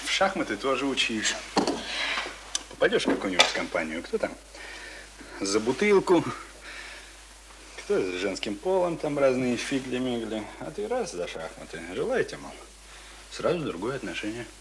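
An actor playing a talkative, pompous middle-aged print worker in a Russian radio play, boasting in folksy colloquial speech. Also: male voice, mid-range voice, sing-song, normal speed, long pauses, background noise. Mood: smug lecturing. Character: talkative middle-aged male print worker, self-important former drinker. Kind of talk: Russian radio drama acting.

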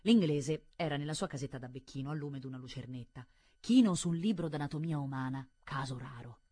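A woman reading a literary audiobook in an expressive, dramatic way. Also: rumbling low, fairly quick, breathy edge. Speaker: audiobook reader.

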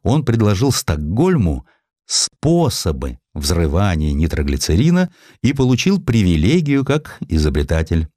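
A man giving an expressive, measured, scripted dramatic narration of history as an audiobook reader. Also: low voice, no room sound, studio quality.

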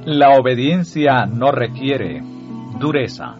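A man reading a devotional text aloud at a slow, measured pace, letting phrase ends fall. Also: medium pitch, very animated, darkish tone. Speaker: audiobook reader. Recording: dull lo-fi audio with faint music.

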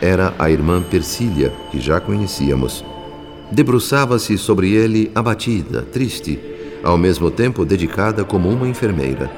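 A man with a Brazilian accent narrating a radio soap as a solemn witness, grave, theatrical and measured. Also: deep voice, animated, over music. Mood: dramatic, urgent. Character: solemn male spirit narrator recounting a tragedy.

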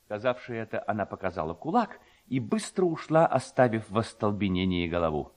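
Very animated male literary narrator. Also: on the low side, fairly quick. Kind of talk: dramatic scripted literary narration.

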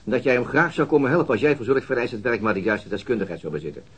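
An actor in a radio drama playing a patient, authoritative police detective who questions tersely and courteously. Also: male voice, medium pitch, animated, racing, a bit bright, slightly rough. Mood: commanding, terse. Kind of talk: Dutch radio drama acting.

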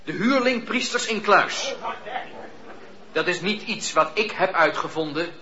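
An actor playing a defiant, devout preacher on trial in a radio play, emphatic and deliberate. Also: male voice, sits high, lively intonation. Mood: firm, devout. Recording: dull, noisy, echoey radio play recording.

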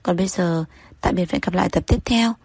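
A woman narrating a romance novel as host of a story channel, in an even, steady reading manner. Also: fairly low pitch, fast talker, husky, no echo.

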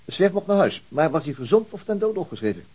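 An actor playing a businesslike police detective in a Dutch radio drama, asking probing, clipped questions with slight hesitations. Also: male voice, on the high side, very animated, quick pace, a little mellow, husky. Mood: insistent.

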